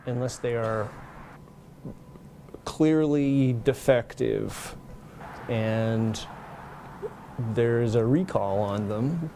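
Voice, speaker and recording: A man giving an unscripted interview as an engineer, halting and plain-spoken. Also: medium pitch, creaky, dark tone. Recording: faint background noise.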